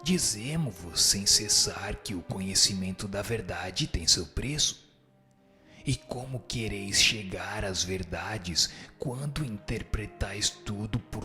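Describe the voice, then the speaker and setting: A man playing a grave, admonishing spirit teacher in a scripted audio drama, speaking in a solemn, measured, didactic way. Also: fairly low pitch, pushed and bright, full character voice.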